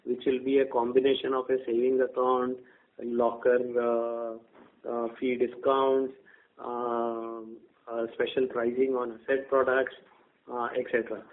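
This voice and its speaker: A man with an Indian accent answering as a bank executive on a conference call, halting and repeating words as he explains in a semi-formal way. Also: mid-range voice, level tone. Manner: halting, hesitant delivery with word repeats. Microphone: telephone conference call. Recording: thin, narrow-band phone conference line.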